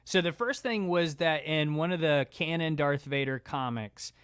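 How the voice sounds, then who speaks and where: A man's voice: on the high side, normal speed, a bit bright, clean tone, no room sound, clean studio sound. A man co-hosting a podcast in casual discussion, talking conversationally and often dropping "like" into his sentences. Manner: conversational, peppers speech with "like". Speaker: podcast co-host.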